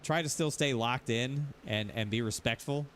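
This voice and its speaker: A man's voice: mid-range voice, normal speed, a bit bright, a little hiss or hum. A man streaming sim racing, ranting casually, rambling and repeating himself, swearing freely. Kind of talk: casual livestream rant.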